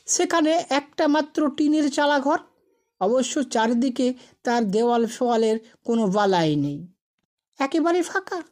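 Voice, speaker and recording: A woman with a fairly high voice narrates a scripted spooky tale. She reads as a storyteller, telling the ghost story in narrative prose. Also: lively intonation, measured pace, darkish tone.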